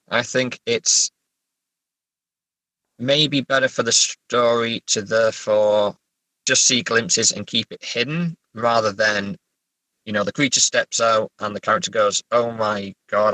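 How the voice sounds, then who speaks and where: A man's voice: fairly low pitch, bright, forceful tone, no room sound, low-quality recording. A middle-aged man chatting casually as a guest writer, hesitant and self-deprecating, often stammering. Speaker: guest writer discussing own story. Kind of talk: casual interview chat.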